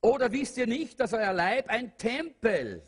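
A man's voice: very high-pitched, sing-song, a little slow, breathy edge. A man preaching a sermon to a congregation, earnest, with many fillers and rhetorical questions. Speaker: pastor. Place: church hall. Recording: long hall reverb.

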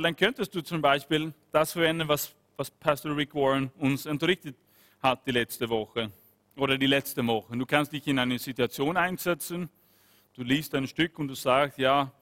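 A man's voice: a little high, fairly bright tone, in a large hall. A man giving earnest sermon-style Bible teaching, repeating phrases and asking his listeners questions.

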